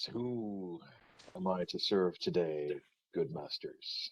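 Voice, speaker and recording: A man's gravelly, put-on character voice at a very slow pace. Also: fairly low pitch for a man. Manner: welcoming.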